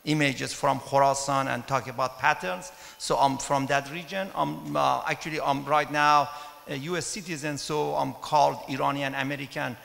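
A middle-aged man from Iran with a Persian accent, giving an informal conference talk in a halting, hesitant way. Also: on the high side, fairly even intonation, vocal fry, a bit bright. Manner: hesitant, halting delivery with frequent pauses. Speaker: mathematics professor and conference speaker. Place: large conference hall, indoors at a podium. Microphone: handheld microphone. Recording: echoey hall with long reverb.

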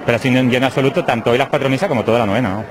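A man in his thirties, a parish priest, talks fast and from the heart into a reporter's handheld mic. Clear chapel ambience sits behind him. He is inside a small whitewashed chapel by the altar. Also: medium pitch, noisy background. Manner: fast, heartfelt, thinking aloud. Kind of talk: interview answers.

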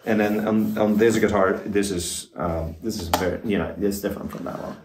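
An older man, a guitar expert guest, explaining in a casual, halting way with many fillers and restarts, in a small backstage room. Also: fairly low pitch, fairly even intonation, far from the mic. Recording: roomy, off-mic, faint noise.

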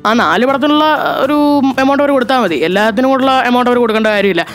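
A rapid, somewhat high-pitched woman from Kerala talks through a casual review vlog. She is chatty and often stumbles into fillers and restarts. Faint music plays softly behind her. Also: expressive. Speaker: film dubbing reviewer, channel host.

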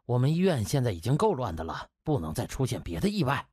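A man voicing a cautious, stern senior hospital official with measured, guarded speech in an audiobook. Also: medium pitch, sing-song, dark tone, slightly rough, no echo.

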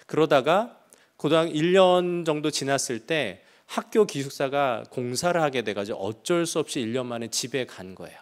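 A man preaching a sermon, telling a story and acting out the quoted voices with sudden loud outbursts and soft, hushed passages. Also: a little high, lively intonation, normal speed. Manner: acts out quoted speech with sharp swings in loudness; drops to soft, hushed tones for tender passages. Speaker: pastor.

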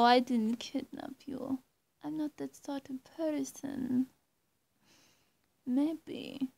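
Young woman playing a slow, high-voiced coy vampire. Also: creaky, warm tone, full character voice. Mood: teasing, indignant. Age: young adult. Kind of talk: roleplay addressed to the listener. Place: small bright bedroom, indoors. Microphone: camera mic at arm's length or closer.

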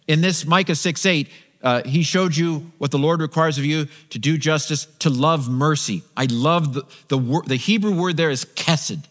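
A middle-aged pastor preaches on a large church stage before a live congregation, walking around and gesturing with a Bible in hand. He talks conversationally with frequent restarts and repeated words, in a somewhat high, slightly bright voice. The sanctuary gives a long reverb.

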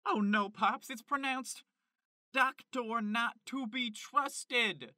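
Bright, high-voiced earnest farm boy played by a man. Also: slow, no echo, studio quality, exaggerated voice. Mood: uncertain. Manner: earnest, dramatic, guileless. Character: earnest, naive young male chicken farmer. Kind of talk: comedic audio drama acting.

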